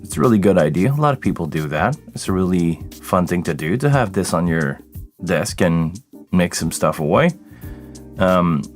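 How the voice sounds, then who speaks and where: Tired deep-voiced man. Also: lively intonation, normal speed, faint music behind. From Quebec, Canada. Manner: chatty, greets viewers by name, tired. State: tired, voice deeper than usual this morning. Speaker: live sound engineer hosting a livestream. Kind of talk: casual livestream Q&A chat.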